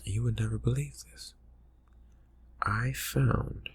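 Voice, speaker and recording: A man playing a calmly threatening vampire confronting a friend in a soft-spoken, halting ASMR roleplay, with a husky, gravelly voice. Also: exaggerated voice. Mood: quietly suspicious. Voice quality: low, husky, gravelly, often breathy. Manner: hesitant, halting, quietly insinuating.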